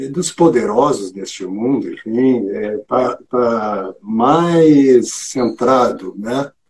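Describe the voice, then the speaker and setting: Medium in pitch and dark, mellow in tone, a man's voice shows ordinary pitch variation. He speaks at a very slow pace. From Porto Alegre, southern Brazil. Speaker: host of a poetry live stream. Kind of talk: casual interview on a live stream.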